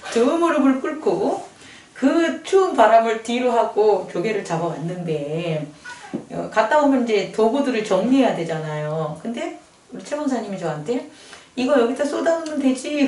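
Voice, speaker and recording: Lively woman preaching in an echoey church. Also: mid-range voice, recorded from a distance. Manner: animated, conversational preaching with rhetorical questions. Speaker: pastor. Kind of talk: sermon. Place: church sanctuary.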